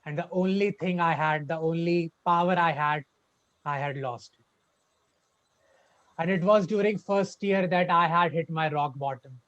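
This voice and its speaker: Halting young man with a stutter. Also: fairly high pitch. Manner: halting, repeats words with a stutter. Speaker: club speaker. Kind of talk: personal story speech. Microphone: video call. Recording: dull lo-fi online call audio.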